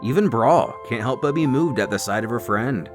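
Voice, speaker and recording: Lively man narrating over faint music. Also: mid-range voice, moderate pace. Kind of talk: scripted story recap narration with acted quotes.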